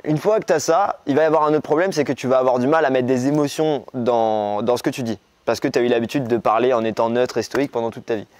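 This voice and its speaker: A young man from Morocco giving a dating-coach video lesson, talking casually and expressively, speeding over filler words and slowing down to stress key points. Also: mid-range voice. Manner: lively, expressive, speeds up and slows down for emphasis.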